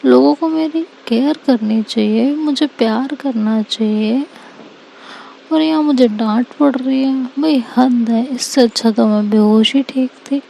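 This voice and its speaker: A woman's voice: fairly high pitch, takes it slowly, gravelly, warm tone, slight background noise, poor audio. A woman voicing Seerat, a playful young woman who jokes and teases her partner from a sickbed. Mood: teasing. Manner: teasing, joking. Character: young woman, playful teasing girlfriend recovering in bed.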